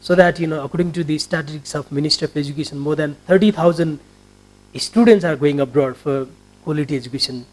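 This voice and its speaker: Man, Nepali accent, slightly high voice, TV interviewer, polite, wordy, formal questioning. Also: fast, darkish tone, rough recording. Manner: polite, wordy questions with frequent filler phrases. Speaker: television interviewer.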